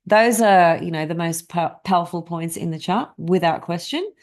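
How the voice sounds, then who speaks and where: A woman with a fairly low voice speaks at a moderate pace. Her first language is Greek; she runs an informal astrology live stream, rambling to her audience with many fillers and restarts.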